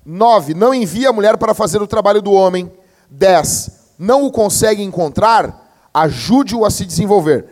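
A young adult man, preaching a sermon as pastor in a slangy, animated storytelling manner. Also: high voice, moderate pace. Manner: slangy, animated storytelling, peppered with "meu" and "cara".

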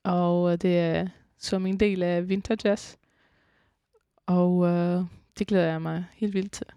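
A woman, a composer and vocalist, talking as a guest in a casual radio interview and often pausing to search for words. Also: lowish voice, level tone, warm tone, clear, resonant tone, dry recording. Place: concert hall.

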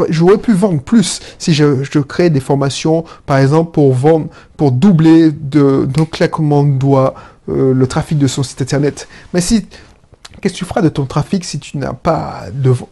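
A man talking as an entrepreneur in a casual solo monologue, animated, often restarting and correcting himself. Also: fairly high pitch. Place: indoor room with air conditioning. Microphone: own microphones.

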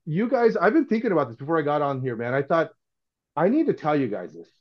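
A man's voice: on the high side, big pitch swings, quick pace. A middle-aged man, a podcast guest talking casually and earnestly, often restarting his sentences. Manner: earnest, rambling, with frequent restarts. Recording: dull, lo-fi sound.

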